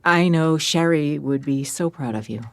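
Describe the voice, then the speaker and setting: A woman playing a kindly middle-aged former therapist in an audio drama, gentle, effusive and a little hesitant, in naturalistic conversation. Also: sits low, moderate pace. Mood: friendly. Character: kindly older woman, former therapist, friend of a late mother.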